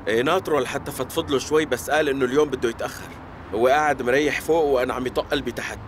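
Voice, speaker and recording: A man's voice: medium pitch, fairly even intonation, racing, a little hiss or hum, lightly acted. A man voicing a jealous young lover. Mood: troubled. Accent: Syrian Arabic. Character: suspicious young man in love, brooding. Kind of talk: dubbed TV drama. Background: music score.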